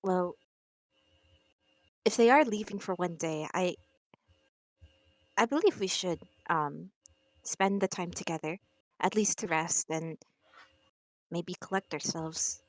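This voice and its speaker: A woman playing a tabletop role-playing game, speaking earnestly and haltingly, partly in character. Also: fairly low pitch, no room sound.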